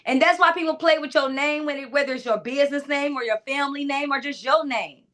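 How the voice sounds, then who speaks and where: A clarity coach talks straight to her audience in a casual, emphatic motivational speech packed with asides. Her voice is naturally high-pitched and loud, and she talks fast.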